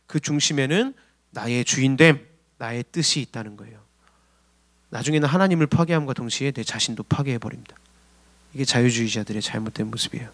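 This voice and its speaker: Male youth pastor, sermon delivery, animated; higher-pitched voice, dry close recording. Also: dry recording. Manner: animated, acts out quoted complaints. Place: church service.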